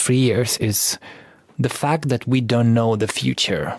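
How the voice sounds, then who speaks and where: Very slow speech from a man with a Lithuanian accent, dry and close with no echo. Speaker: podcast host. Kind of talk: interview.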